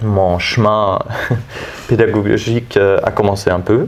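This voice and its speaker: Fairly low-pitched male speech at a fairly slow pace with fairly even intonation, over noticeable background noise. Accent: German. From northern Germany, North Sea coast. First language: German (speaking French). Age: 30s. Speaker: actor and drama teacher. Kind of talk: interview. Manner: halting, many hesitations.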